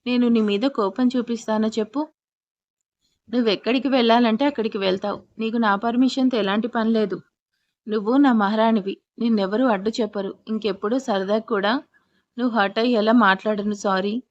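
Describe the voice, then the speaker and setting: A woman's voice: fairly high pitch, steady tone, fairly quick, no echo, dull audio, close to an everyday voice. Teasing young husband in a romance audio story, put on by a woman narrator: playful, fond, light voice. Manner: teasing, then apologetic.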